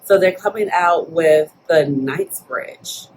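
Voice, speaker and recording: Woman, casual makeup chat, playful, laughs often, lowish voice. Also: slow pace, slight background noise. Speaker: beauty channel host.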